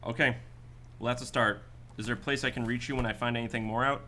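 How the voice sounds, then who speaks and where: A man's voice: mid-range voice, fairly even intonation, fast, pushed and bright, slight background noise, lightly acted. A man playing a skeptical, businesslike detective in a radio drama, asking clipped, matter-of-fact questions. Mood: measured. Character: hard-boiled male detective, probing, skeptical, businesslike.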